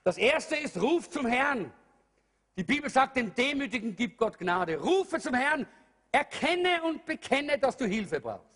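A man preaching a sermon to a congregation, emphatic, rising to shouts and dropping low, addressing the listeners directly. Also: big pitch swings, a little slow. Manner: emphatic preaching, calls out to the congregation, swings loud and soft. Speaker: pastor. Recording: long hall reverb.

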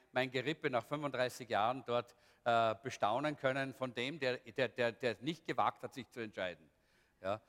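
A man's voice: a little high, a bit bright. A man leading a group, speaking reflectively with frequent hesitations. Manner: reflective, with many fillers. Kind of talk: addressing a group. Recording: echoey hall.

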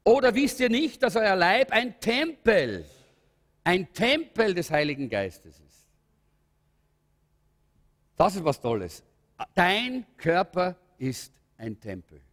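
A man with a high, lively voice preaches a sermon in a reverberant hall. He talks straight to his congregation and slows down to stress his main points. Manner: emphatic, slows down to stress key phrases; speaks to the congregation directly, with filler hesitations. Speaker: pastor.

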